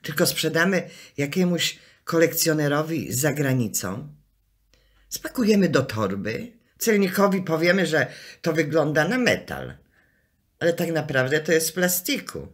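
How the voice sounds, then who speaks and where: Actress as slow, swooping, fussing chatty wife. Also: female voice, low voice, very animated. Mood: scheming. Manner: coaxing, chatty, exclamatory. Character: chatty, fussing wife, cheerfully muddled and scheming. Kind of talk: amateur radio comedy acting.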